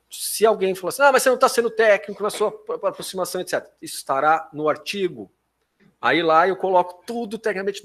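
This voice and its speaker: A Brazilian man giving an academic philosophy lecture as a professor, didactic and halting, with informal asides and frequent check-in questions to his listeners. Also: sits high, fairly bright tone.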